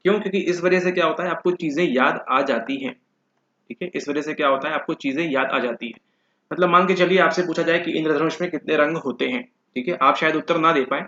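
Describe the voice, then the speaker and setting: A man teaches an exam-prep class in a slightly higher voice. He keeps asking his listeners questions and then answers them himself. The sound is dull and lo-fi, with a roomy echo. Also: a bit bright. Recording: echoey room, dull lo-fi sound.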